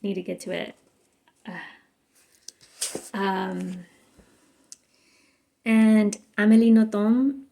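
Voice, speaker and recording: Young mexican woman rambling happily, gravelly and mellow, spanish is her first language. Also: medium pitch, steady tone, very slow, long pauses, slight background noise. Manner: chatty, effusive, many fillers and restarts. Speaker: book vlogger. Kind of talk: casual chat to camera.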